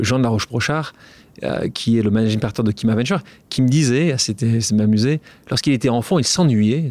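Podcast host, man, mid-pitched voice, informal, long winding questions. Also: a little mellow. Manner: informal, rambling questions with restarts. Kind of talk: casual interview questions.

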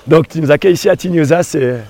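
A man's voice: a little high, quick pace. A man hosting a podcast, reading a scripted introduction and then interviewing a guest in a friendly way, his voice a little worn. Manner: warm welcoming narration, then friendly questions. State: slightly lost voice. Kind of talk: scripted narration and casual interview.

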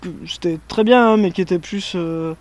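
A woman's voice: lowish voice, moderate pace, darkish tone. A woman in her thirties with a Parisian accent, chatting as a guest in a casual interview, hesitant and full of fillers and restarts, recorded outdoors in a garden. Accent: Parisian French. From France. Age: 30s. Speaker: guest, musher. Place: sunny garden in the mountains, outdoors.

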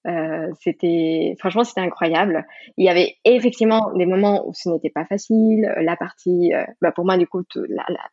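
A woman's voice: fairly low pitch, fairly quick, slightly rough, no room sound, lo-fi sound. A woman from Mexico with a Mexican Spanish accent, a yoga teacher talking as a podcast guest in a thoughtful way, often restarting her sentences. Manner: thoughtful, many restarts and fillers, laughs easily. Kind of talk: podcast interview.

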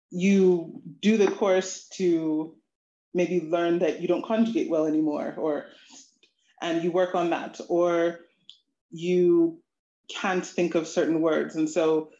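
An earnest, reflective adult student describes her language lessons at a middle pitch. The sound is roomy and echoey, and a little dull. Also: mellow. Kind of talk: interview. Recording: echoey, muffled lo-fi audio.

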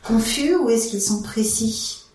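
A woman interviewer asking gentle, measured questions. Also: on the high side, echoey room, distant mic, a little hiss or hum.

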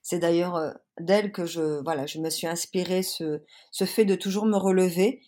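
In a casual interview, a French woman guest with a cold speaks at a moderate pace in a low, dark voice with a steady tone. She comes across as earnest, hesitating often.

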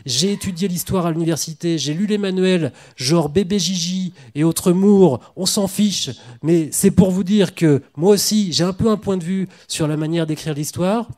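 A man's voice: high voice, normal speed, few pauses, a little mellow. A man hosting and moderating a panel of historians, chatty, with self-deprecating asides. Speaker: host, moderator. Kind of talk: panel discussion.

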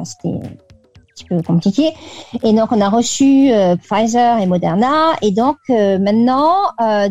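A woman's voice: a little high, dark tone. A French woman in her thirties chatting as an interview guest, with lots of fillers and restarts. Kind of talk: casual radio interview over a call.

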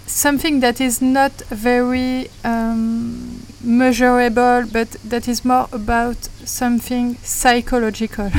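A woman's voice: on the high side, darkish tone, a little hiss or hum, low-quality recording. A woman in her thirties with a French accent, hosting a podcast and earnestly sharing a personal story, reflective and a little hesitant. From France. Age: 30s. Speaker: podcast host.

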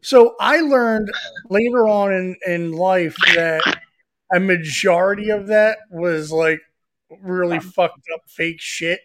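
A man in his forties, a guest on a casual podcast, telling stories loudly and swearing freely. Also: high-pitched, slow. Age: 40s. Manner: loud, profane storyteller.

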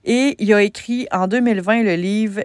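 A woman with a Québécois French accent, a business coach hosting a solo podcast, talking conversationally with many pauses and restarts. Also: medium pitch, dry recording, clean studio sound.

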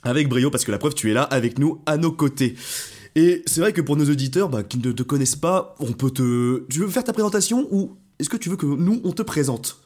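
A man's voice: a little high, animated, a little fast, darkish tone. Playful young man co-hosting a podcast. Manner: playful, stumbles over names. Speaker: podcast co-host. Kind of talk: casual chat.

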